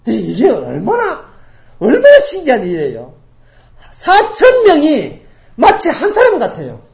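A middle-aged woman pastor from Daegu delivers a sermon in a fairly high voice that leaps up and down in pitch. She hammers key phrases by repeating them, then drops to a hushed tone. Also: wildly swooping pitch, a little slow, creaky. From grew up in Daegu, South Korea.

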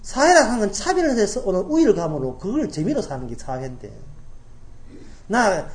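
Emphatic, lively-voiced woman preaching a sermon. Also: mid-range voice, moderate pace. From grew up in Daegu, South Korea. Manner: emphatic, repeats key phrases, swings from loud to hushed. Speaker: pastor.

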